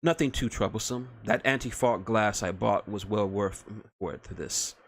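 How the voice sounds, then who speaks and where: A man's voice: fairly low pitch, moderate pace, a bit bright, a little hiss or hum. A man voicing a cold, formal elven woman sniper who speaks in a clipped, precise way. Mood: icy.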